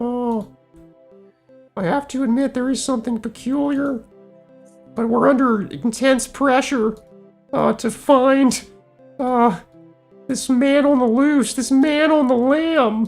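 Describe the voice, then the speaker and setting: Over faint music in the background, a female-sounding voice in a put-on character voice, high in pitch, leaves long, frequent pauses. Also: fairly slow pace. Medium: game stream.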